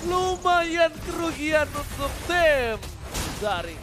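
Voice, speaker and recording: A man with an Indonesian accent giving excited, dramatic live game commentary in the manner of a fighting game announcer, with drawn-out exclamations and rapid calls. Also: very high voice. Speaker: esports shoutcaster. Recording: broadcast with loud game noise behind.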